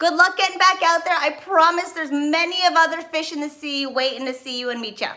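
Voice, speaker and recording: A woman projects a raised voice at an extremely high pitch. She talks at a fairly quick pace with a bright, sharp tone. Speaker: dating coach. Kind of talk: live Q&A stream. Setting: live stream. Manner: fast.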